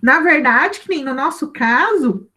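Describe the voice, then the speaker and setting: A woman's raised, projected voice sounds bright and sharp. Her pitch is high and swings very widely. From Brazil. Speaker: school teacher. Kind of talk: online class lecture.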